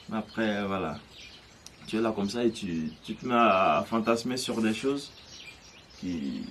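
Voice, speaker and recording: A man, lowish in pitch, recounts his own story. He halts and restarts often, searching for words. Faint birdsong stays behind him outdoors. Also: slight background noise. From Côte d'Ivoire. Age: 30s. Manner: hesitant, halting, many restarts. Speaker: interviewee. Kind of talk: personal testimony.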